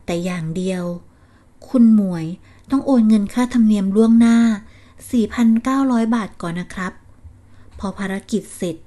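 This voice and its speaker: A woman's voice: medium pitch, warm tone, close to an everyday voice. A woman voicing a male online scammer who coaxes an old woman with polite, persuasive talk. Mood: coaxing. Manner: slow, overly polite, coaxing.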